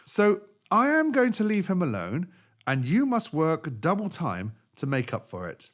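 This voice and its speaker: A man's voice: on the high side, wildly swooping pitch, measured pace, pitched above the performer's own voice. Man playing an apologetic but firm master. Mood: regretful, firm.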